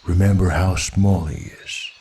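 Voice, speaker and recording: A man voicing a male black panther in a quiet, measured manner. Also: sits low, steady tone, a little hiss or hum. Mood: concerned.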